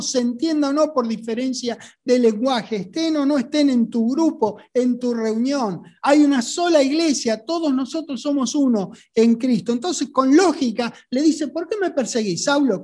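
A woman's voice: high-pitched, darkish tone. Rioplatense woman preaching a Bible lesson. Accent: Rioplatense Spanish. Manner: conversational, asks the audience rhetorical questions. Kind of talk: Bible teaching sermon.

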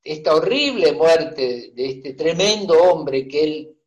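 A man's voice: a little high, lively intonation, slow pace, lo-fi sound. A man preacher reading scripture aloud and commenting on it, with joking asides and hesitant fillers. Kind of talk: Bible reading with sermon commentary.

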